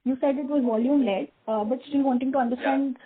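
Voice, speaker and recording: Casting: woman, higher-pitched, polite probing analyst, heard through narrow telephone audio. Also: steady tone, fairly quick. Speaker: analyst questioner on an earnings call. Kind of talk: business question-and-answer. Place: conference call over phone. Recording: phone line with clear hiss and clicks.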